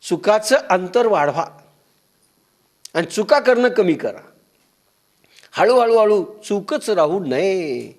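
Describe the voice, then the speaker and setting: A man's voice: very animated, slow, long pauses. A man with a Marathi accent giving a devotional discourse, telling stories and acting out their dialogue. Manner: storytelling, acts out dialogue in low muttering voices. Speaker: spiritual discourse speaker.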